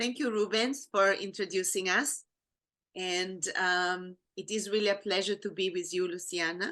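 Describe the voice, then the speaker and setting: Over a quiet background, a woman talks at a medium pitch with a bright, sharp tone. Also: ordinary pitch variation, moderate pace. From Argentina. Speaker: psychotherapist. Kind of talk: interview conversation.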